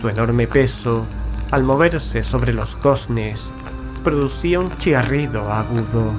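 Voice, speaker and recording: A man narrating a gothic horror story in the first person, in a measured, grave, literary manner. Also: medium pitch. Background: background music.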